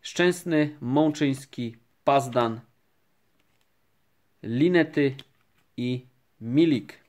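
A man giving calm, unhurried commentary while opening sticker packs, naming each card as it appears. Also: mid-range voice. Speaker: card collecting vlogger. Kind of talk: casual pack-opening commentary. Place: indoors at a table, camera overhead on hands.

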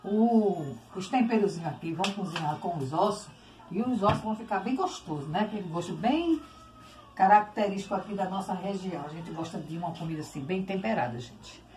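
An older woman with a Brazilian accent talks casually to viewers as she cooks. Her voice sits a little low for a woman. It is recorded on a phone in a home kitchen, with clear noise of pots and dishes around her. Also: lively intonation, brisk, darkish tone. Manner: chatty, addresses viewers often, uses diminutives. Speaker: home cooking vlogger. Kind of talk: casual cooking demonstration. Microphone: phone on tripod, short distance. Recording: noisy kitchen with clattering dishes.

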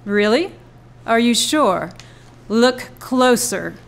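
A woman actor plays a mysterious young woman in a live noir radio play. Her voice is on the high side. She speaks in cool, cryptic, teasing lines that carry a threat. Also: animated, takes it slowly, creaky, full character voice. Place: live on stage in a club.

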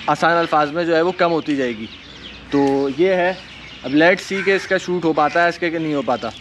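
A man's voice: a little high, a bit bright, far from the mic. A young man from Pakistan, a photographer, casually explaining camera settings step by step at an outdoor cattle farm. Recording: outdoor noise, crows cawing. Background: birds and animals.

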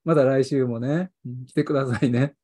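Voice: mid-range voice, steady tone, normal speed, warm tone, no echo, clean studio sound. A history channel host with a Kansai accent, chatting casually on a livestream, rambling and chuckling often.

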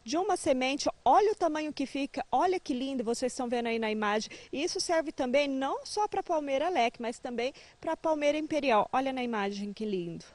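A woman's voice: high-pitched, expressive, a little fast, few pauses, darkish tone, no room sound. A woman in her thirties from Brazil, a field reporter cheerfully hosting a gardening segment outdoors, holding a handheld mic. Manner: cheerful, addresses viewers directly.

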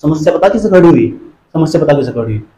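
High-voiced man drilling students in an echoey room. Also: animated, rapid-fire, mellow. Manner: repetitive drilling, asks students questions; scolds students. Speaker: teacher. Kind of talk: exam-prep lecture.

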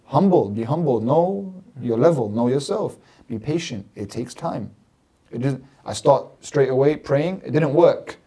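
Emphatic and animated, a London man who is a religious scholar explains things earnestly as a podcast guest, repeating phrases in lists. His mellow, mid-range voice is slightly rough, and he speaks a little slowly. He sits in a small studio set with plants, at a desk mic on a stand.

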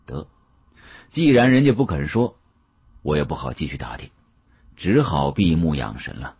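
A man narrating an audiobook as dramatic first-person storytelling, expressive and theatrical, with colloquial asides. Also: very deep voice, normal speed, slightly rough, no echo, highs cut off.

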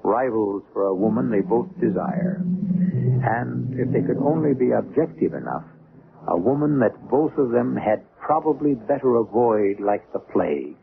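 An actor as the wry host and narrator of an old-time radio drama, speaking in a deliberate, theatrical way. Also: male voice, mid-range voice, expressive, creaky, phone-quality sound, background noise. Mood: dramatic, ominous. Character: wry, theatrical male host of suspense tales. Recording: band-limited old radio recording.

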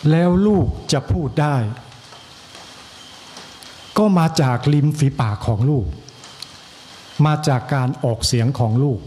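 A monk with an Isan accent giving an evening sermon, slow and measured, with pauses and repetition and a joke now and then for the listeners. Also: male voice, medium pitch, lively intonation, mellow, a little hiss or hum. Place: temple hall.

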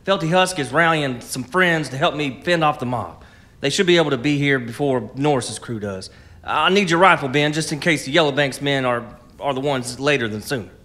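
Radio drama: hunted frontiersman, male actor, tense bright voice, stammering, evasive, stubborn. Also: medium pitch, fairly quick, close to an everyday voice. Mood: urgent, impatient. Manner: stammering, pleading, argumentative.

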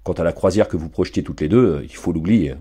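A man reading aloud, voicing a gloomy, blunt father in a low, sullen tone. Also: fast talker, warm tone, slightly rough. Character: gruff bankrupt father, sullen.

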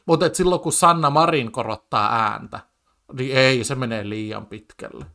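A man's voice: mid-range voice, vocal fry, pushed and bright. Agitated man ranting over a debate clip. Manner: agitated, full of stammered restarts and fillers. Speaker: commentator reacting to a TV debate clip. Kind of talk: casual spoken commentary.

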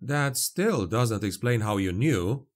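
A man's voice: lowish voice, animated, slow pace. A man voicing a nervous human male adventurer in a fantasy audiobook, questioning those around him.

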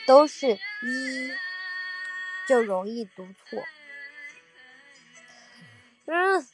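A woman with a high voice chats slowly and easily on a livestream. She talks to her viewers and laughs off her own slips of the tongue. Soft music plays faintly in the background. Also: sing-song. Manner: sings along with songs between chatting. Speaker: livestream host. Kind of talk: casual livestream chat.

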